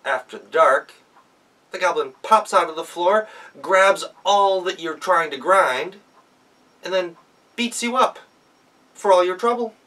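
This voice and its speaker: A man's voice: a little high, pushed and bright, far from the mic. A man voicing a fearful, stubborn folktale miller who blusters, stammers and repeats himself.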